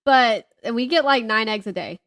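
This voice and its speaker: A woman's voice: a little high, lively intonation, normal speed, a bit bright, dry recording, clean studio sound. A young woman chatting casually as a podcast co-host. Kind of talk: casual chat.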